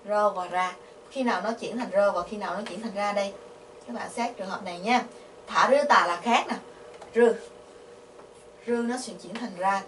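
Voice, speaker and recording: A woman's voice: medium pitch, a bit bright. Vietnamese woman teaching Korean grammar. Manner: patient, asks the class questions, repeats syllables slowly. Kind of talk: explaining grammar. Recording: echoey, from a distance, faint noise.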